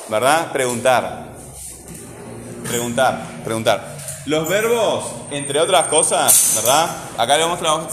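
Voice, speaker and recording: A man's voice: medium pitch, a bit bright. A man teaching a grammar lesson, coaxing students along with constant check-in questions. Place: classroom. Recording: roomy classroom echo, faint ambient noise.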